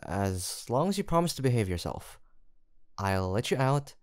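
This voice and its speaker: A man voicing a gentle, protective man who talks softly and teasingly to a frightened stray he has rescued, in a close audio roleplay. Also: mid-range voice, very animated, moderate pace, no echo, close to an everyday voice. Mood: coaxing. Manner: soft teasing, coaxing and reassuring.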